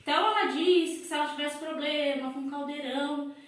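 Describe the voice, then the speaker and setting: A woman with a Brazilian Portuguese accent, a primary school teacher giving a recorded lesson to children and sounding out words slowly, syllable by syllable. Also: high voice. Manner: slow, exaggerated syllable-by-syllable explanations. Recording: echoey room.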